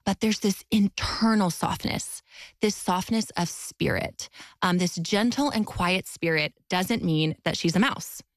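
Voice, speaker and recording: A woman author talking as a guest in an interview, with a loud voice and expressive delivery that often leaps high in pitch. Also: unhurried, no room sound, clean studio sound. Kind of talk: faith-based interview talk.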